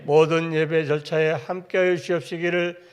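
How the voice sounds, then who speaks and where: A man leading a solemn, measured formal prayer in a church service. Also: a little high, flat delivery. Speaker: prayer leader.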